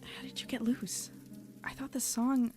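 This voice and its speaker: A woman's voice: fairly high pitch, little pitch movement, unhurried, in a whisper, music in the background, close to an everyday voice. A woman playing a plucky young investigator in an audio drama, casual and wry as she speaks. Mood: hushed, startled. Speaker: lead character and narrator. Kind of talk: audio drama acting, conversational narration.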